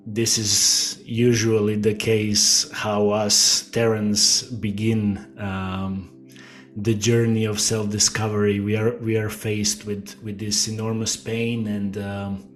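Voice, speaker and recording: A middle-aged man from Croatia speaks in a low, flat voice, slowly and haltingly, often pausing on fillers. He sounds like a guest in a casual interview. Soft music plays faintly behind him. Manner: slow and hesitant, many fillers and restarts.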